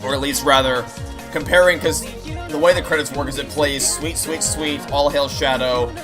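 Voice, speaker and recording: A man's voice: on the high side, steady tone, moderate pace, over music. A man giving casual, rambling playthrough commentary as he chats to viewers, often repeating and restarting his phrases. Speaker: video game streamer and host. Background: video game song playing behind the voice.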